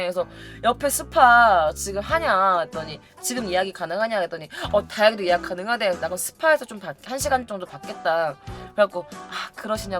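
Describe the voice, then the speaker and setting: A woman casually telling a funny story to her viewers, acting out other people's lines and laughing often. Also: mid-range voice. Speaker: YouTube storyteller.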